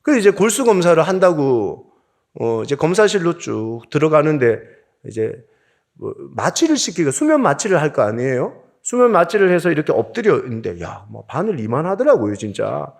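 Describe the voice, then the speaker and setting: A man's voice: on the high side, very animated, normal speed, gravelly. A middle-aged man from South Korea, a pastor preaching a sermon and telling a personal story with strong emotion.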